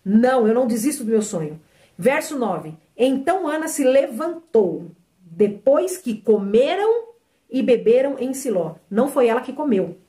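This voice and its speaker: A middle-aged woman delivers an emphatic sermon and keeps putting questions to her listeners. Her voice sits high and swings widely in pitch as she presses each point. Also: big pitch swings, moderate pace, warm tone. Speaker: preacher.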